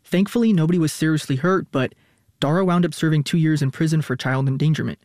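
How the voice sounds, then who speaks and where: A man narrating a radio news feature as reporter, in a measured, scripted storytelling voice. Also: a little high, darkish tone, dry recording, studio quality.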